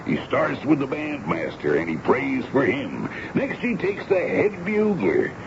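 Folksy earnest army sergeant, gravelly, radio drama, dull muffled old broadcast. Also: male voice, mid-range voice, huge pitch swings, measured pace, background noise, heavily acted. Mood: exasperated. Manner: folksy ungrammatical speech, deferential to his superior. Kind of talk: 1970s radio drama acting.

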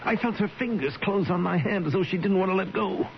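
An actor playing an anxious, devoted husband and father in a 1970s radio drama, with an urgent, halting, pleading manner. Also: sits high, creaky. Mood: distraught, bewildered. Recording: muffled, hissy old radio broadcast.

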